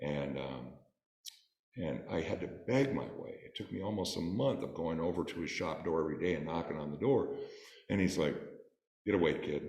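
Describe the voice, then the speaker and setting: A man with an American accent speaks at a very deep, low pitch with vocal fry, keeping a moderate pace. Long, frequent pauses break up his speech, and audible room echo surrounds it. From US Midwest, Des Moines Iowa. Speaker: lay speaker, historic preservationist. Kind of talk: talk to congregation. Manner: casual, storytelling.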